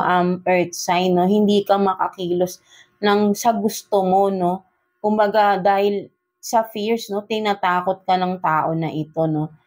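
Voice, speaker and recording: A woman with a Filipino accent and a fairly low voice gives a casual love reading from tarot cards. She talks loosely and keeps mixing Tagalog and English. Nearly every phrase ends in a questioning "no?". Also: darkish tone. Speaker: tarot reader.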